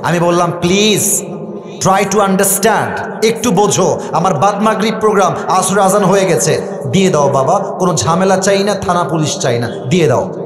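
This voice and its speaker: Man, Bangladeshi accent, Islamic preacher, high voice, dramatic anecdote telling, acted-out dialogue, echoey reverberant hall. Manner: dramatic storytelling, acting out dialogue, sprinkles in English phrases. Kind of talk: sermon-style anecdote telling.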